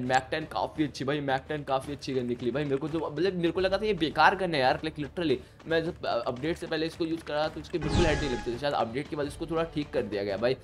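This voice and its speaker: A young Indian man with a slightly high voice commentates his own game in Hindi, his throat sore and cough-prone. He keeps his voice low to spare it but yelps when surprised. Game music and gunfire play loudly behind him. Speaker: gaming YouTuber. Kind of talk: live gameplay commentary.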